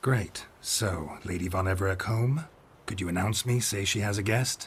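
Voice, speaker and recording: A put-on character voice from a man, fairly low in pitch, at a moderate pace. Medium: video game. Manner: dry, blunt.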